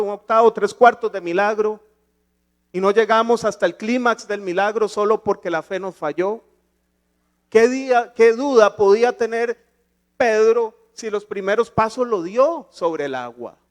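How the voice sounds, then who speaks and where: High-voiced man preaching a sermon. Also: moderate pace. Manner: preaching with rhetorical questions and emphatic rises. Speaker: pastor. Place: church.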